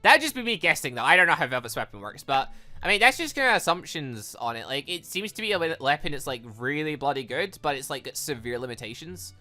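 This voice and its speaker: A gaming video host giving casual let's play commentary, chatty, rambling and excitable, thinking aloud as they go. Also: mid-range voice, fast, soft background music.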